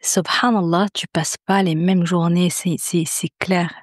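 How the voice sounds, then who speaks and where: A woman's voice: lowish voice, little pitch movement, measured pace, dry recording, studio quality. A woman hosting a podcast in a casual, conversational interview style. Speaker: podcast host.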